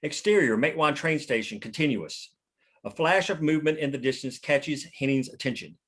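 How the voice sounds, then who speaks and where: A man's voice: on the high side, a little fast, fairly bright tone, slightly rough. A man reading scripted narration and scene directions at a table read. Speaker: stage-direction reader.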